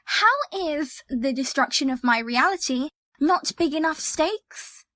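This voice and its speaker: A woman's voice: high-pitched, expressive, a little slow, fairly bright tone, dry recording. A woman playing an exasperated, sceptical young woman in an audio drama, sarcastic and matter-of-fact.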